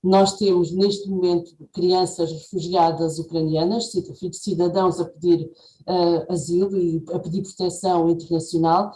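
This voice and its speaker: A woman's voice: fairly low pitch, mellow. A woman speaking as a panelist on education in a webinar, with frequent fillers and restarts. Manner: talks with many fillers and restarts. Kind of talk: webinar talk. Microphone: video call. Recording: echoey video call with faint background noise.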